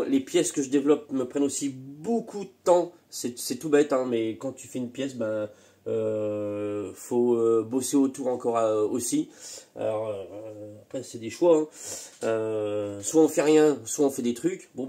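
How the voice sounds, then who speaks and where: A man with a lingering cold chats through his casual workshop vlog, where he tunes moped engines. His mid-range voice is mellow, and his talk meanders, full of pauses and repeated words.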